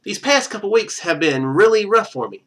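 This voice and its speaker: Man reading as an earnest trader, lively pitch. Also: moderate pace, exaggerated voice. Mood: grave, urgent. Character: ruined male trader writing in his journal. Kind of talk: reading a journal aloud in a game.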